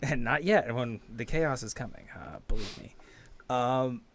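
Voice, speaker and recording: A man acting as game master, casually recapping a tabletop story in a halting, hesitant way. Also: mid-range voice, a bit bright.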